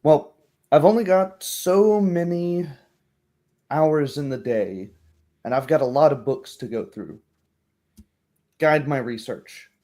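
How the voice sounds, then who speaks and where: A man's voice: fairly high pitch, takes it slowly, pauses often, dark tone, pitched above the performer's own voice. A man voicing a bookish woman, a helpful retired adventurer and herbalist in a tabletop game, hesitant and thinking aloud.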